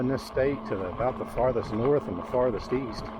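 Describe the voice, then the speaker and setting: Over noticeable background noise, a man speaks at a moderate pace with a medium pitch and lively intonation. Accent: American. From southern West Virginia (Beckley). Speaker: YouTube vlogger, e-bike rider. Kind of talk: casual vlog narration while riding. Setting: outdoors on a bike trail. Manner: casual, rambling with fillers.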